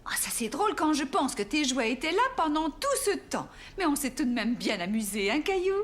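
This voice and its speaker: A woman playing a cheerful, encouraging grandmother in a children's cartoon, speaking in a gentle singsong way. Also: high voice, very animated, a little fast. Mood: delighted, encouraging. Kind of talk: French children's cartoon acting.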